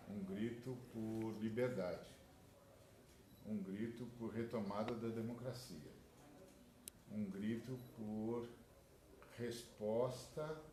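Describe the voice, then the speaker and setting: Pastor, male, low voice, slow measured preaching delivery, echoey indoor room. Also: warm tone. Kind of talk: spoken address to a group. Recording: echoey room, faint noise.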